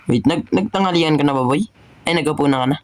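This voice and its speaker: Play a young gamer chatting through a role-play session: loose, jokey and teasing, tossing off casual banter at a buddy as the scene unfolds. Keep it relaxed and conversational, like talking over a game with a friend. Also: medium pitch, fast talker, noisy background. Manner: joking, teasing banter, calling others "boy".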